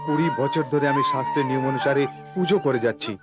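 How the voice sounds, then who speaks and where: A man's voice: medium pitch, wildly swooping pitch, quick pace. An actor playing a strict middle-aged priest father who scolds his son in a dubbed devotional drama. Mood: bitter. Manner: scolding, shouting. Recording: clear music bed behind.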